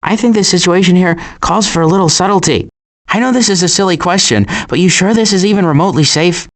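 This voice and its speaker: Playing a glib, sardonic animal adventurer in an animated game, this man talks fast in a high-pitched voice, dropping dry sarcastic remarks and deadpan asides.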